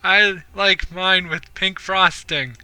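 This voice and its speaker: A very high, bright voice from a man putting it on for a proper young mermaid princess in a video game, polite and naive to a fault. She talks formally, as if at a tea party. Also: fairly even intonation, slow, clear, resonant tone, exaggerated voice, low-quality recording. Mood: prim, eager.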